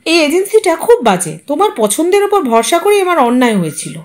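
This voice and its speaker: A woman voicing a sharp, bossy, anxious wife who scolds and demands in an audio story. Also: high-pitched, big pitch swings, fairly quick, pitched above the performer's own voice. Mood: upset.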